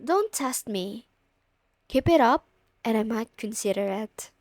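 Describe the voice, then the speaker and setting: Casting: actress as a friend's bossy older sister, young, teasing and coy, unhurried delivery, close dry sound for ASMR roleplay. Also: female voice, fairly high pitch, animated, a little mellow, no echo. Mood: weary, grumbling. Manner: casual, teasing, coy, lightly exasperated. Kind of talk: intimate ASMR audio roleplay.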